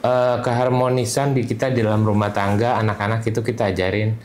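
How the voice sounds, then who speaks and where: A man's voice: lowish voice, little pitch movement, a little fast, darkish tone. A middle-aged man, a father speaking earnestly in an interview, repeating phrases and quoting the advice he gave his children. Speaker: father, guest. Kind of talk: reflective interview talk. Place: studio.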